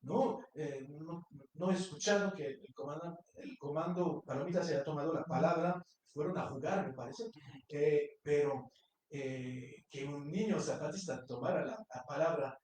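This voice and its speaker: A man's voice: fairly high pitch, normal speed, a little mellow. Hesitant man in an echoing hall. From Mexico. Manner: hesitant, many fillers. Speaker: panel speaker. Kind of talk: public talk. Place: university lecture hall. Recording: echoey lecture hall.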